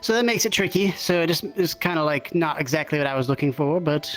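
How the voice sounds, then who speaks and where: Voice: medium pitch, expressive, quick pace, lightly acted. A performer playing a mild, bookish potion researcher in an improvised fantasy roleplay, polite, hesitant and rambling. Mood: puzzled, rambling. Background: music.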